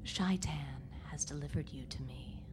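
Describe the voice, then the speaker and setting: Low-voiced rebel leader played by a woman, slow, solemn, portentous, sci-fi radio drama, music behind. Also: background noise. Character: secretive resistance leader delivering grave prophecy. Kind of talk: live sci-fi audio drama.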